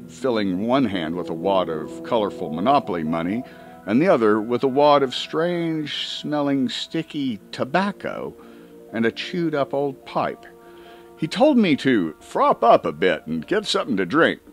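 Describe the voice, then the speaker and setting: A man reading a comic first-person story as an audiobook, with dramatic emphasis and drawn-out words. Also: on the low side. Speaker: audiobook reader.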